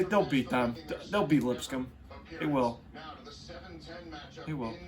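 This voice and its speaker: A man talking like an excitable frat bro, hosting a casual, off-the-cuff sports reaction full of slangy asides. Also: sits high. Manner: excitable frat-bro talk, heavy on "bro" and "dude". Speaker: host reacting to a tournament bracket.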